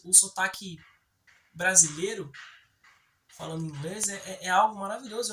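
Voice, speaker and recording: A man's voice: sits high, pushed and bright, a little hiss or hum. A man with a Brazilian Portuguese accent, explaining in a chatty way for an English-learning video and often checking in with the viewer. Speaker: English teaching YouTuber.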